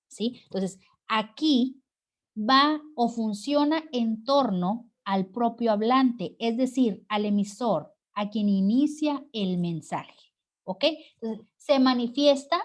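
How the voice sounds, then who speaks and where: A Mexican woman teaching a class, explaining step by step and often checking with her students. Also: a little high. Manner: explanatory, frequent check-ins with "¿ok?" and "¿sí?". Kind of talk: recorded online class lecture.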